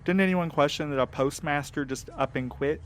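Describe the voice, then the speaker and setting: A man's voice: a little high, fairly quick, slight background noise, close to an everyday voice. A man playing a weary, protective and dryly sardonic character in a naturalistic audio drama. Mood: weary, worried.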